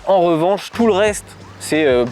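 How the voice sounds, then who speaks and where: A man's voice: high-pitched, animated, measured pace, a little mellow. A man with a French accent giving a casual, conversational product review, explaining things as he goes. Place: outdoors on a cycling outing. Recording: clear outdoor ambient and traffic noise.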